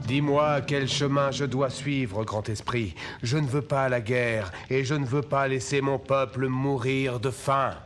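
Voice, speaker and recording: A man playing a grave, wise tribal chief and protective father in a French-dubbed cartoon, speaking in a solemn, measured way. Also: mid-range voice, fairly even intonation, natural voice. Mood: solemn, troubled. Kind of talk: dubbed animated film acting. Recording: music behind the voice.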